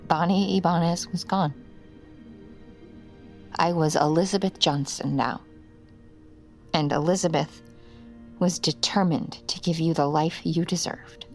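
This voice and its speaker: An actress playing a haunted, grieving middle-aged mother, speaking in a hushed, weary, half-whispered way in an audio drama. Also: low-pitched, fairly even intonation, unhurried, long pauses, faint music behind. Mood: confessing.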